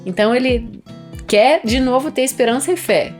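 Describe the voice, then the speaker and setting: A woman's voice: on the high side, normal speed, darkish tone. Brazilian woman discussing books over guitar music. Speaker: podcast co-host. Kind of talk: conversational literary discussion.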